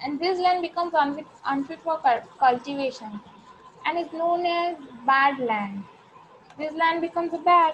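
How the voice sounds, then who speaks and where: An extremely high-pitched, soft-spoken woman at a moderate pace, with ordinary pitch variation and long, frequent pauses. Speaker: student tutor. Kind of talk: lecture. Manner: halting.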